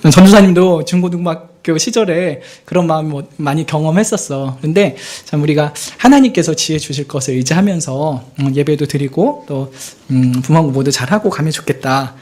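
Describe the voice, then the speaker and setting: A man's voice: a little high, moderate pace, few pauses. A man serving as assistant pastor, preaching a Sunday sermon and acting out prayers and conversations as he goes. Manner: animated, acts out quoted prayers and dialogue.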